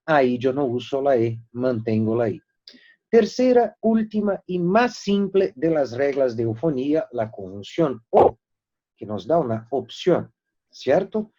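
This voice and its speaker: A man teaching a recorded Spanish grammar lesson, emphatic and slowing down to spell out example words. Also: medium pitch, very animated, mellow. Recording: dull lo-fi recording.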